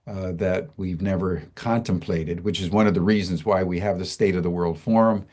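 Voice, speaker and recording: A man hosting an interview, speaking slowly and haltingly with frequent fillers and restarts. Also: low-pitched, steady tone, a little mellow. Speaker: host. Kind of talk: slow, hesitant interview talk.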